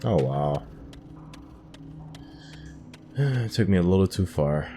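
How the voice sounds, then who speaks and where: A man with an extremely low, bass voice talks through a video game. He muses aloud in a casual, unscripted way. There is faint but noticeable noise behind him. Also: lively intonation, takes it slowly, dark tone. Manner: musing, thinking aloud. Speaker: gamer hosting a playthrough.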